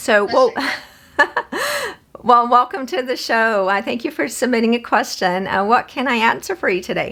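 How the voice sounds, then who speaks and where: A woman talks with a high pitch and lively intonation, leaving long, frequent pauses. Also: moderate pace. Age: 50s. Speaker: physician and show host. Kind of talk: call-in health advice show.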